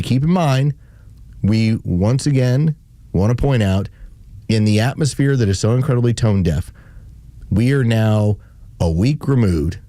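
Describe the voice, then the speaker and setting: A male talk radio host with a lowish, mellow voice, recorded close and dry. He delivers political commentary emphatically and sarcastically, often slipping into mock quotations. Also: no echo. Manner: emphatic, sarcastic, mimics opponents in mock quotes.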